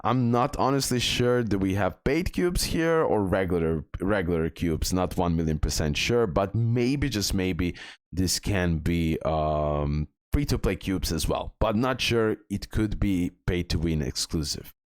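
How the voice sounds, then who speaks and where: A man's voice: sits low, animated, a little slow, no room sound, clean studio sound. A man hosting a gaming channel, commenting on a game update in an enthusiastic, chatty way, with many fillers and restarts. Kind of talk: game news commentary over footage.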